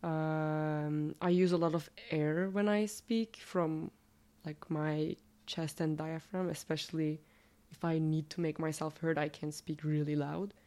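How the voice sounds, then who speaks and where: A woman from Turkey, a native Turkish speaker, talking casually in an interview with a slightly nasal, fairly deep voice and a chatty way of speaking full of fillers. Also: fairly even intonation, measured pace, dark tone.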